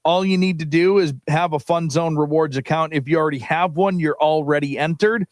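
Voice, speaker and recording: Excitable male radio co-host, laughing storyteller. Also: fairly high pitch, a little fast, no echo. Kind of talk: casual sports radio chat. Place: radio studio.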